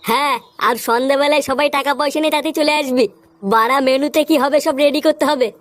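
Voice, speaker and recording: A woman's voice: sits high, fairly even intonation, fast, natural voice. A woman voicing a bossy, foul-mouthed young club leader in a cartoon who lectures the others.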